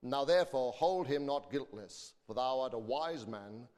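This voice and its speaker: A man's voice: mid-range voice, expressive, moderate pace, darkish tone. A man preaching to a congregation, speaking informally and reading from scripture. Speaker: preacher and school teacher. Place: large reverberant church or hall. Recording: echoey hall with long reverb.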